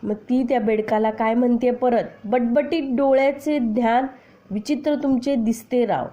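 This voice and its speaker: A woman teacher explaining a children's poem to her class, reciting lines slowly and then explaining each word with questions to the pupils. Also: a little high, mellow. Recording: dull lo-fi recording.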